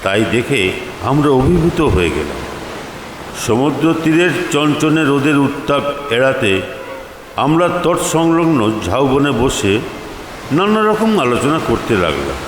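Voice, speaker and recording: A man narrating a story dramatically from a script, expressive, with deliberate pauses. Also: mid-range voice, slight background noise. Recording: echoey reverb, music underneath.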